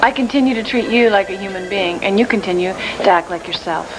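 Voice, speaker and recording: A woman's voice: mid-range voice, brisk, close to an everyday voice. An actress playing an exasperated, scornful woman with a biting, accusatory delivery in a television soap opera. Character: scornful, exasperated woman confronting a twisted man. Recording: very noisy TV clip.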